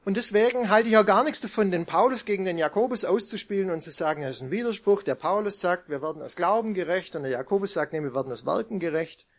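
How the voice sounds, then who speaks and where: A man with a notably high voice delivers a sermon. He talks in an easy, conversational way and keeps turning to his listeners with questions. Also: lively intonation, quick pace, hardly any pauses. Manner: conversational, asks the congregation questions. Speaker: preacher.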